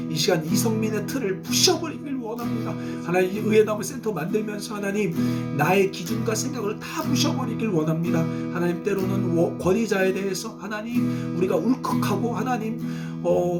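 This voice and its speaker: A male pastor preaching to a small house church, firing questions at the congregation and answering them himself, then leading an earnest spoken prayer. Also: high voice. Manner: earnest, confessional prayer with repeated invocations.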